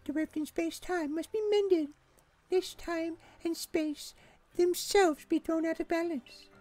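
A man's voice: very high-pitched, steady tone, measured pace, dark tone, no room sound, pitched above the performer's own voice. A man voicing a mysterious old woman who keeps the old myths, speaking in a solemn, portentous way. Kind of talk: dubbing game dialogue aloud.

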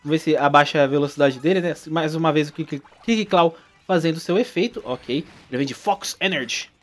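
A man's voice: on the high side, brisk, soft background music. A young Brazilian man with a Brazilian Portuguese accent, joking through playthrough commentary and talking to the game characters. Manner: jokey, exclamatory, talks to the game characters. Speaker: gaming YouTuber.

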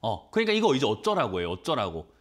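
A man in his thirties with a cold, a stock market mentor on a studio call-in show, talking quickly and asking many rhetorical questions. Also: mid-range voice, huge pitch swings. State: has a cold. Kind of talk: financial advice call-in show.

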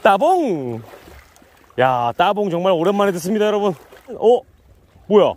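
A man vlogging while foraging for octopus on a mudflat at night, wading in the sea. He swings between loud excited exclamations and low, calm explanations. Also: fairly quick. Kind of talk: excited outdoor narration.

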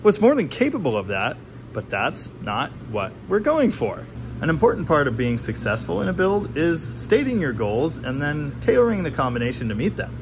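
Showing parts and talking with his hands, a man gives relaxed, explanatory commentary on an engine build at a moderate pace. His voice moves up and down with animated, wry energy, over a steady hum of noise in the messy home garage, recorded on the camera's mic.

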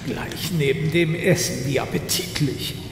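Horror radio play sidekick: reluctant, wry, gravelly, echoey with loud noise behind. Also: male voice, a little high, unhurried. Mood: uneasy, sarcastic. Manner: wry, grumbling. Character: sarcastic, reluctant male millionaire sidekick. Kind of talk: horror audio drama acting.

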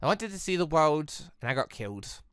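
A woman's voice: low-pitched, sing-song, brisk, clean tone, no echo, clean studio sound. A woman voicing a wounded, self-reproaching but defiant young maiden in a visual novel, brooding and dramatic. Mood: despairing.

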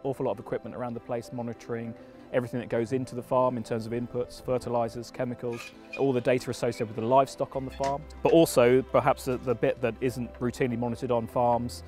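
A man speaking outdoors on a farm in a relaxed, conversational way, restarting phrases as he goes. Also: mid-range voice. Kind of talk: on-camera interview. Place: outdoors leaning on a farm fence. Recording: faint music underneath.

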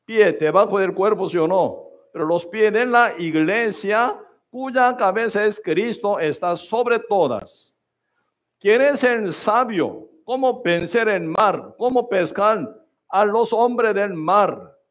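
A man preaching a sermon in short, emphatic phrases, often checking with the congregation with quick questions. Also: high-pitched, expressive. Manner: keeps asking the congregation "¿verdad?" and "¿sí o no?".

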